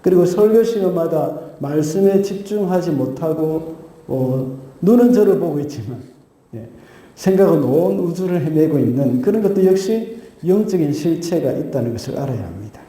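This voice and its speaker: A man preaches a Sunday sermon with a deep, very mellow voice. His delivery is measured and steady, punctuated by brief affirming asides. The sound rings through a strongly reverberant church sanctuary. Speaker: pastor. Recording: very echoey church hall.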